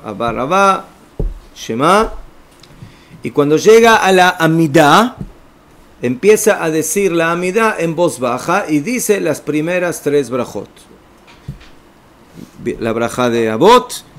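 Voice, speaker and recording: A man teaching an informal religious law lesson, explaining step by step and checking in with his listeners. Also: on the high side. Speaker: rabbi teaching a class.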